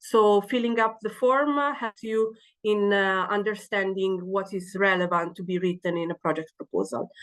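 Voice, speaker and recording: At a moderate pace and medium pitch, a woman speaks with a non-native accent. She hardly pauses, and her pitch varies in an ordinary way. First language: not English. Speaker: early-career researcher. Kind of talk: webinar presentation. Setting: online webinar. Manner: halting, many fillers.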